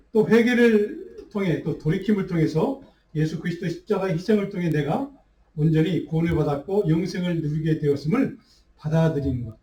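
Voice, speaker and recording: Pastor, male, mellow tone, roomy church sound, mic at a distance. Unhurried sermon delivery. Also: fairly high pitch. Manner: unhurried preaching with restarts and fillers. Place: church sanctuary.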